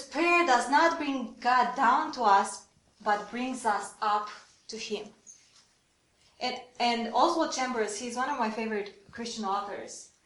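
Woman, workshop presenter, engaging, fairly high voice, roomy echo. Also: a bit bright. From Romania. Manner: engaging, asks the audience questions. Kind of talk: church workshop talk. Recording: echoey room.

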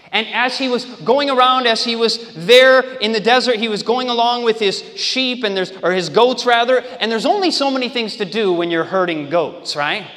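High-voiced preacher in a reverberant hall. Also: male voice. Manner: animated, questions the audience directly. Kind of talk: sermon to a live audience. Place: large hall with an audience.

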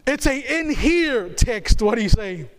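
A preacher from New Zealand with a strikingly high voice delivers a sermon. He stresses his points through repetition and keeps pulling the congregation in with questions for them to answer. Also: very animated, takes it slowly, a bit bright. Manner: call-and-response, asking the congregation to answer; emphatic, repeats key phrases.

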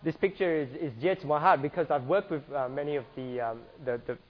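A man from Singapore giving an earnest church talk about slides, restarting often and filling pauses with "uh". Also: on the high side, muffled recording. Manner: earnest, many restarts and fillers. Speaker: church speaker.

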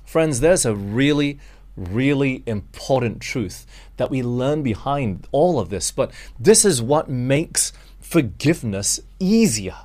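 A Malaysian man preaches a sermon in a medium-pitched, slightly mellow voice, slow-paced but lively in intonation. He's earnest and direct, addressing his listeners as friends and posing rhetorical questions to them.

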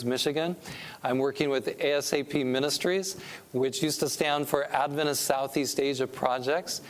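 A middle-aged man from California giving an earnest, preacherly talk to a church audience as a pastor and missionary speaker. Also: medium pitch. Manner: earnest, preacherly, rising with emphasis on key points.

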